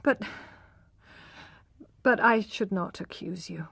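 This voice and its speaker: Rich: A hard, logical young husband who speaks forcefully and reproachfully, read by a woman. The delivery is slow and measured. It is recorded close in a dry room. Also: mid-range voice, vocal fry, breathy edge, dry recording, exaggerated voice.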